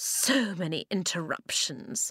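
A woman puts on a character voice at a fairly low pitch, slow pace and big pitch swings, with a slightly husky edge and a fairly bright tone. The sound is dry and close with no echo, on a very clean recording with a silent background.

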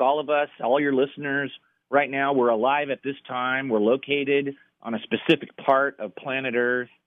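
Using an unremarkable speaking voice, a man talks at a moderate pace and medium pitch with fairly even intonation. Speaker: pastor. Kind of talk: radio interview. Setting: remote call.

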